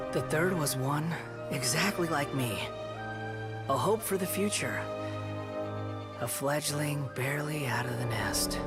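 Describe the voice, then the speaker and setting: An actor playing a bitter, grandiose young outcast villain in a video game, theatrical and full of disdain for humans. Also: male voice, fairly high pitch, close to an everyday voice. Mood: wounded, brooding. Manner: theatrical, measured, scornful. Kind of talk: dramatic video game monologue. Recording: loud music under the voice. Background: loud game music.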